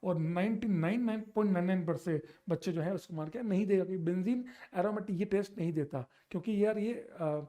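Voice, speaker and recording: A male chemistry teacher lecturing for an exam-prep class, his voice sitting high and lively. He talks with teasing energy, switching between Hindi and English as he works through problems. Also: brisk, few pauses.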